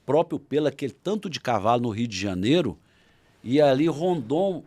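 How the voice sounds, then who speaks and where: Man, Brazilian Portuguese accent, lively swinging pitch, dry close sound, storytelling guest. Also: moderate pace, no room sound. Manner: animated storyteller, acts out shouted quotes. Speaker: guest author. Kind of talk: storytelling in a podcast interview.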